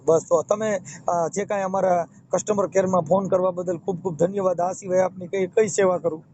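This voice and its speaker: This phone counselor and marriage mediator speaks with a Saurashtra Gujarati accent, walking the caller through advice step by step and going over points again. He sounds high-pitched, steady and darkish, talking a little fast, on a muffled, noisy telephone recording.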